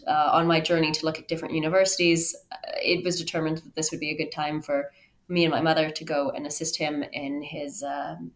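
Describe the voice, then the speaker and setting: A woman in her thirties from Canada, a podcast guest telling her own story conversationally in an animated way. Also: low-pitched. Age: 30s. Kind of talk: conversational interview, personal storytelling.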